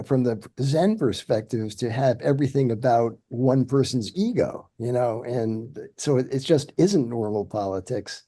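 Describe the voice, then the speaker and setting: A man's voice: mid-range voice, warm tone. A man in a group discussion giving a reflective, opinionated comment. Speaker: group member.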